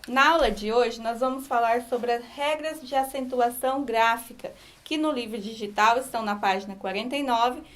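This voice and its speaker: A woman teacher with a slightly high voice walks students through a recorded grammar lesson. She explains each point patiently, pausing to check that they are following.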